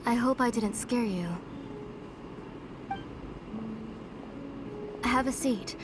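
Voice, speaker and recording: A woman playing a kindly, tired mother and auntie in a video game, speaking gently and hospitably. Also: a little high, moderate pace, noisy background, close to an everyday voice. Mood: weary, apologetic. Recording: game music behind the voice.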